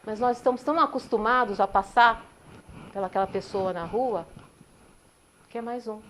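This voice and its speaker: Woman giving a gentle sermon. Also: fairly high pitch, normal speed, a little hiss or hum, rough recording. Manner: gentle storytelling, rhetorical questions to listeners. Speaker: spiritist talk speaker.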